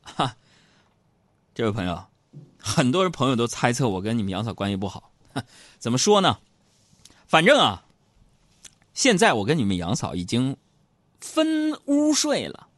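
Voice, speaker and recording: This Northeast Chinese host tells comic stories in a jokey, teasing style, breaking into sudden high mock voices. He talks at a normal speed but pauses often, his slightly bright voice swinging widely in pitch, with no echo in the recording.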